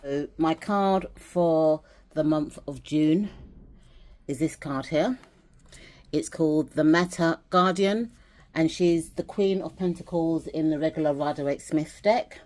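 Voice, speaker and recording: A woman from England with a low voice talks through her collection in a relaxed vlog. She rambles a little, doubling back and restarting as she goes. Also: a little slow. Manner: chatty, rambling with restarts and fillers. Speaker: vlogger. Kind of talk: casual chat, showing dolls and journal.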